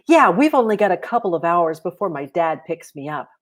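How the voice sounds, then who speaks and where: A bubbly young girl, the agreeable best friend in a children's storybook, acted by a woman. She speaks cheerfully and admiringly, with animated rises in pitch. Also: a little fast.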